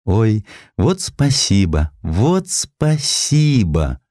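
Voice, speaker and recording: A man's voice: on the low side, very animated, drawn-out words, a little mellow, no room sound, studio quality, pitched above the performer's own voice, full character voice. A man voicing a frail, humble, pious elderly widow with folksy old-fashioned speech in an audiobook. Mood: tearfully grateful.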